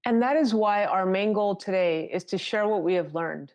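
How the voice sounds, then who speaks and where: A woman from South Texas, a native Spanish speaker, giving a prepared conference talk in a steady storytelling manner. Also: mid-range voice, moderate pace, lo-fi sound. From South Texas, United States.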